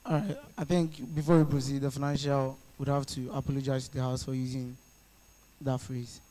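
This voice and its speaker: A young speaker with a Ghanaian English accent chairing a student parliament, brisk and procedural. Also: medium pitch, little pitch movement, warm tone, poor audio. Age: young adult. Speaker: speaker of the house.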